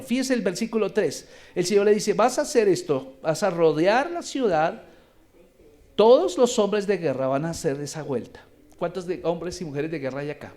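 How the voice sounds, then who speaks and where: A man's voice: high-pitched, darkish tone. A male pastor preaching a sermon, asking his congregation questions as he teaches.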